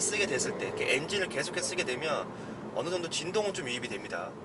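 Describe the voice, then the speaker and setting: With audible room echo and noticeable background noise, a man talks very fast at a high pitch. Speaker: car reviewer. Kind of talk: car test drive review. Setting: in a car.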